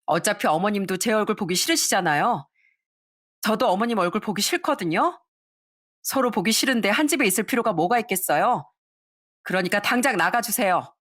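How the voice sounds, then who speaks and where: A woman's voice: medium pitch, lively intonation, fairly quick, a bit bright. A woman voicing a callous young daughter-in-law who talks down sharply and dismissively. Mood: cold dismissive.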